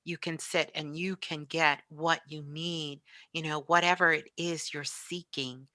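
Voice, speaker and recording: Bright-voiced woman in a dry space. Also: low voice, fairly even intonation, measured pace, no echo. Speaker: spiritual radio show host. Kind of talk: casual motivational spiritual talk.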